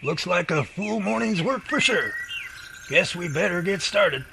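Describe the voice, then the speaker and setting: Guy acting as a chatty folksy professor, jovial, creaky voice, loud birdsong and outdoor noise behind. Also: sits high, animated, a little slow, heavily acted. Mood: busy, folksy. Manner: folksy, theatrical, long-winded. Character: folksy, jovial, wordy male Bigfoot research professor. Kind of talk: audio drama acting.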